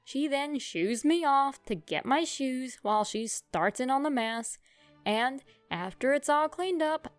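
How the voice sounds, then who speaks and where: Young woman, comic storyteller, wry, expressive, dry close sound, faint music behind. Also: sits high, dry recording. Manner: wry, self-mocking, expressive.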